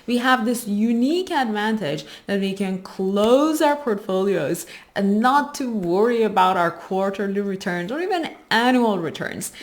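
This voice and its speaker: Woman host explaining stuff step by step, voice goes up and down a lot, leans on key words. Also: medium pitch. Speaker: host of an investing video channel. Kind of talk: explanatory presentation to camera.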